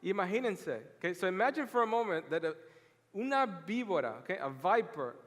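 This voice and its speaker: A man preaching a sermon in an animated, joking storytelling manner, mixing scripture reading with lively asides. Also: high voice, normal speed. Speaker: pastor. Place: church sanctuary. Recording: long reverb of a large hall.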